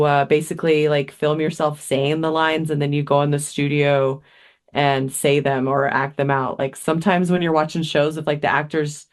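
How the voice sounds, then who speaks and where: Swearing, laughing podcast co-host woman. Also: sits low. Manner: laughs a lot, swears casually. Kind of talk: casual chat.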